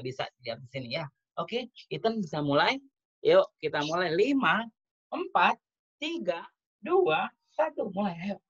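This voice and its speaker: A man hosting a parenting class, coaxing a child through an activity in an encouraging way over a video call. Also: on the high side. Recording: dull video-call audio.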